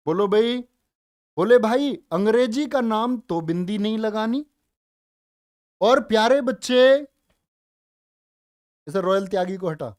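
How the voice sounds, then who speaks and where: A man's voice: high-pitched, darkish tone, dry recording, studio quality. A man teaching a grammar class online, coaxing and repeating questions to his students. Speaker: Hindi teacher.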